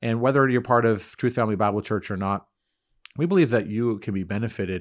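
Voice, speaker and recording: Over a silent background in a very clean recording, a man talks at a fairly quick pace. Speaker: pastor and podcast host. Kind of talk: interview in a podcast. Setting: studio. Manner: hesitant with frequent fillers.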